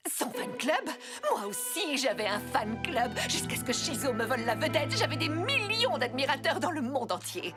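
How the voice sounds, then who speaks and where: A vain and spiteful villainess, haughty and melodramatic in cartoon style. Her high voice sweeps up and down over loud background music. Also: very animated, moderate pace, hardly any pauses. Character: vain, spiteful female villain, theatrical and jealous. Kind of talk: French cartoon dub acting.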